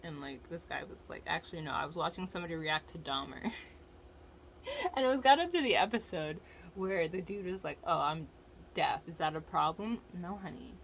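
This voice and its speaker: A woman's voice: sits low, expressive, normal speed, gravelly, slight background noise. An American woman with a lisp, talking casually and frankly in a rambling, profane, opinionated rant to viewers. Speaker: vlogger giving opinions.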